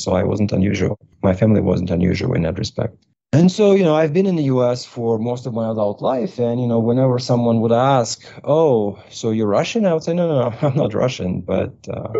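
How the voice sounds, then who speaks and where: A man in his forties from Kazakhstan, a professor and guest, answering in a reflective, halting way as he searches for words. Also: medium pitch, gravelly, mellow, husky, dull audio. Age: 40s.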